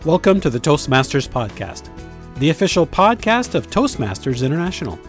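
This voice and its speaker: A man's voice: on the high side, big pitch swings, a little fast, over music. A man hosting a podcast, giving an enthusiastic announcer-style intro and interviewing people.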